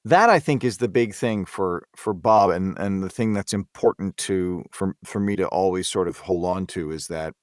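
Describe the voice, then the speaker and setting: A man speaking as a voice actor in a casual interview, thoughtful and halting, often repeating words as he searches for phrasing. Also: low-pitched, no room sound, clean studio sound. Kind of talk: casual cast discussion.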